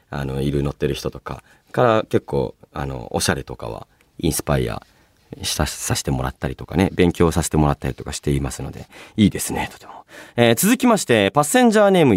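A man hosting a casual solo radio show, chatting and reading out listener mail in a polite but chatty, animated way. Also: extremely low pitch, fast, dry recording, clean studio sound. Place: radio studio, dry sound.

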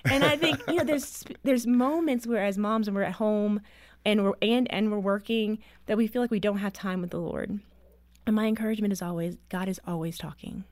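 A woman's voice: medium pitch, fairly even intonation, fairly quick, darkish tone, no room sound. A woman in her thirties, a mother and author, telling personal stories earnestly in an interview and growing emotional at times. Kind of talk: interview conversation.

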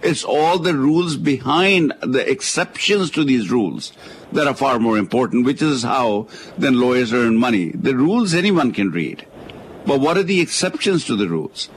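South Asian-accented man, halting explainer. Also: medium pitch, expressive, a little hiss or hum, poor audio. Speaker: legal expert and author on a radio call-in show. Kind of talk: conversational talk radio.

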